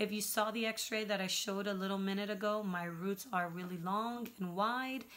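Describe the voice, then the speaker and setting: With light background noise behind her, a woman speaks at a moderate pace with ordinary pitch variation. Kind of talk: casual vlog chat. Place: home room. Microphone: phone near.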